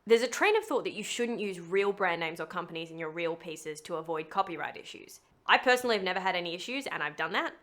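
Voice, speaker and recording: A woman's voice: fairly low pitch, animated, fast, hardly any pauses, a bit bright. Chatty woman presenting a tutorial. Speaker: voice actor teaching how to make a demo reel. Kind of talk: scripted tutorial narration to camera.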